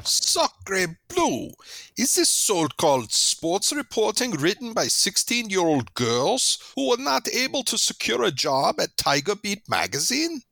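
Fussy German professor, German accent, high and gravelly, swooping pitch. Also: male voice, big pitch swings, a little slow, pushed and bright, no room sound, full character voice. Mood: scornful. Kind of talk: radio comedy sketch.

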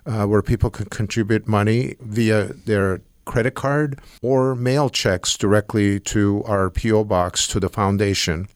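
An earnest man in his sixties who grew up in Turkey talks as a guest on a radio interview. He rambles a bit and restarts his sentences. His voice sits fairly low and sounds dry and close. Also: dry recording. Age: 60s. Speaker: guest, Rotary Club president.

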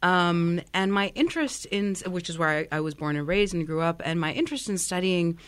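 A woman's voice: on the low side, brisk, smooth. A woman from Kuwait, a history professor, explaining her background as a radio guest. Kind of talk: radio interview.

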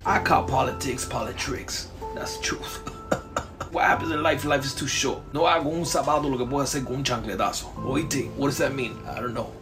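A comedian with a Miami Cuban-American accent doing a sketch impression of a streetwise pop-star sage, mock-wise and slipping into Spanish. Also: male voice, medium pitch, fairly quick, close to an everyday voice. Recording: social video clip over music.

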